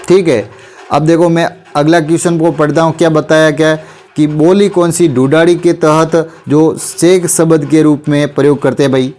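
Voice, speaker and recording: A man teaches a quiz revision class, his voice a touch higher than most men's. He has a sore throat and keeps coaxing the students to answer quickly. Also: a little mellow. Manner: repeats "bhai", urges students to answer quickly.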